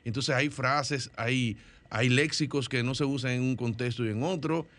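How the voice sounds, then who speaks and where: A Dominican man with a middle-pitched voice, speaking Spanish with a Dominican accent as a guest on a talk program. He explains ideas patiently and at length, stumbling into restarts and doubled words as he thinks aloud. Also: moderate pace, fairly bright tone. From Dominican Republic. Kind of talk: studio discussion.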